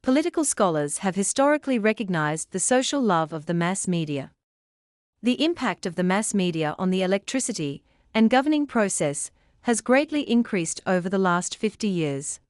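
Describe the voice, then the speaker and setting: A woman of medium pitch reads scripted academic text aloud. The recording is dry and has almost no room sound. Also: very animated, moderate pace, dry recording. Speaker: reader of practice exam passages.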